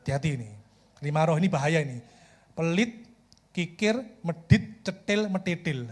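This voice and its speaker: A middle-aged man with a Javanese accent preaching a sermon as a pastor, lively and humorous, acting out the people he quotes. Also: on the high side, moderate pace.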